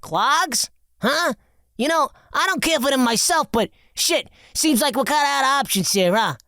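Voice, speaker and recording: A man's voice: very high-pitched, expressive, normal speed, sharp tone, no room sound, clean studio sound, voice pushed up, heavily acted. A man voicing a laid-back, crude sidekick who talks in casual, swearing slang.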